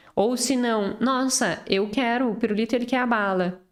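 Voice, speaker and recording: Against a quiet background, a woman speaks with a fairly high voice. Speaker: podcast host, behavioral finance educator. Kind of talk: educational podcast monologue.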